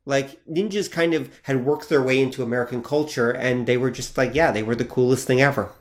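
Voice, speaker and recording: A man's voice: medium pitch, a little fast. A man co-hosting a podcast, explaining things casually, correcting and adding notes, with jokes. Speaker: podcast co-host. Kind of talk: casual chat.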